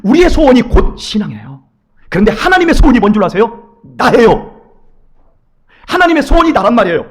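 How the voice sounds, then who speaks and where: A middle-aged man preaching a lively sermon in a church, acting out his children and God in quoted voices. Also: very high voice, a little fast, long pauses, slightly rough. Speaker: pastor. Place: church sanctuary.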